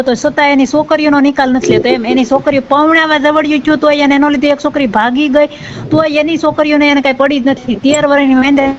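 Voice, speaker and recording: A high-voiced woman in her forties with a rural Saurashtra Gujarati accent speaks over a muffled phone line. Noticeable noise sits on the recording. She recounts her grievances in a plaintive, conversational way, checking that she is followed. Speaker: caller seeking help with a marital dispute. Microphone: phone call. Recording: noisy dull lo-fi phone call recording.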